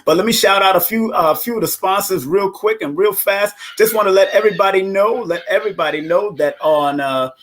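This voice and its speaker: A man hosting a live show, doing energetic, repetitive sponsor shout-outs and promotions. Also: high-pitched, a little fast, few pauses, a little hiss or hum. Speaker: show host. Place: Florida, away from home base.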